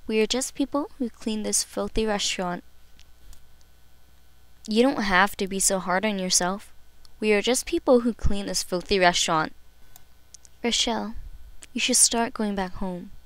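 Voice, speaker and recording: A woman's voice: medium pitch, normal speed, long pauses, a bit bright, clean tone, dry recording, natural voice. A woman voicing an earnest young fairy-tale heroine in an audition. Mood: gentle, concerned. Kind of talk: amateur character audition.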